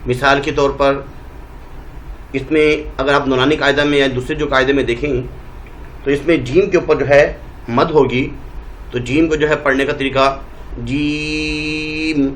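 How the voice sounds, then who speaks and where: A male teacher with a Pakistani Urdu accent, giving a Quran reading lesson and drawing out each letter name slowly to show how it is said. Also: medium pitch, fairly even intonation, fairly bright tone, a little hiss or hum, low-quality recording. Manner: draws out letter names slowly, modelling pronunciation.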